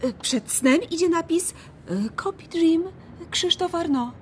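Starstruck admirer for radio drama: gushing, high female voice. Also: expressive, measured pace, a little hiss or hum. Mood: adoring.

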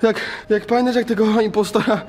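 A man's voice: high-pitched, little pitch movement, brisk, a little mellow. A young man in a spooky adventure vlog, talking in an agitated, bewildered way. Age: young adult. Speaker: vlogger. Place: abandoned concrete ruins.

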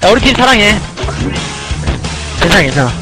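Hyped streamer guy, super high voice jumping all over, shouting at his team, loud game music behind. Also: fairly quick, rough recording. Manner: excitable, yelling orders and curses at teammates. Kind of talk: live game commentary. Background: racing game music and engine sounds.

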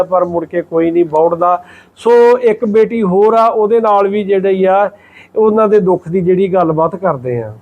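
A man's voice: sits high, dull audio. A man reporting from the field, interviewing a family and earnestly appealing for help.

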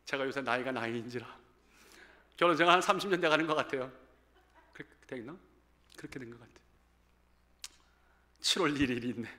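A man in his fifties preaching a sermon to a church congregation, animated, swinging between loud calls and hushed asides. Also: mid-range voice, fairly quick, long pauses. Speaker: pastor. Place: church sanctuary.

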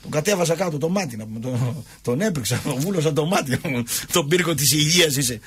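A husky, fairly high-voiced man. He hosts sports radio and tells stories loudly in street slang, throwing in sound effects. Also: expressive. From Thessaloniki, Greece. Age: 50s. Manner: rowdy, slangy, acts out fights with sound effects. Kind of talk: boisterous storytelling chat.

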